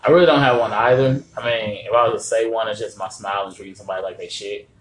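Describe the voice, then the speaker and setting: A man's voice: fairly low pitch, steady tone, fast. A man in his thirties in a casual podcast chat, dry and laid-back, rambling a little as he explains himself. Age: 30s. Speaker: podcast guest. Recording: roomy echo.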